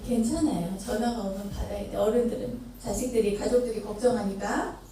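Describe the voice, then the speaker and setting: A woman's voice: medium pitch, fairly quick, mellow. A Buddhist nun from Chungcheong Province tells a story during a sermon. She asks the listeners questions as she goes. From Chungcheong Province, Korea. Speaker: Buddhist nun giving a dharma talk. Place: temple dharma hall with an audience. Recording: echoey hall from far off, faint noise.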